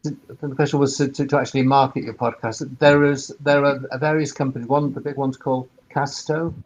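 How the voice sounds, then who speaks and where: A man's voice: mid-range voice, flat delivery, brisk, low-quality recording. A man giving informal expert explanations on a webinar panel, hesitant and often repeating his words. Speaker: sound engineer and workspace operator, panelist.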